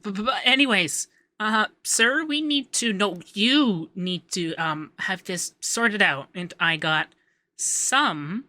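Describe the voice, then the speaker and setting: Bright, flustered young femboy tax man, acted by a man. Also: high-pitched, lively intonation, takes it slowly, no room sound, full character voice. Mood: flustered, businesslike. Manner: stammering, shy, teasing. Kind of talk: ASMR roleplay, acted straight to the listener.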